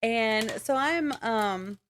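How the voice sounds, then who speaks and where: A woman's voice: on the high side, expressive, very slow, fairly bright tone, slight background noise. Giggly woman chatting casually. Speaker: podcast co-host. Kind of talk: casual chat with a friend.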